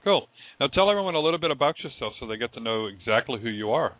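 A man hosting a show, relaxed and upbeat in casual interview talk. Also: mid-range voice, fast talker, dry recording. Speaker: show host. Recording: dry tinny phone line.

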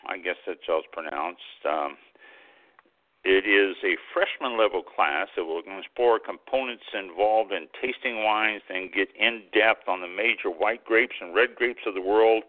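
Wine show host on a landline phone line, deep voice, tinny and narrow, halting delivery with lots of "uh"s. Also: male voice. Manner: halting, many "uh" fillers while reading. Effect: heard over a landline phone. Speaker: winemaker hosting a wine radio talk show. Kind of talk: casual radio talk, reading announcements.

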